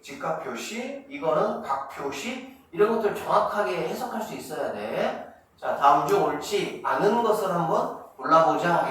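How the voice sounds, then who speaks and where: A middle-aged man giving a math lesson to middle school students, quizzing them and answering his own questions, drawing out key terms slowly. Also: a little high, fairly bright tone. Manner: asks students questions and answers them himself, counts steps aloud. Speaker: math academy director teaching middle school. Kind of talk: classroom math lecture. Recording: echoey room, distant mic, faint noise.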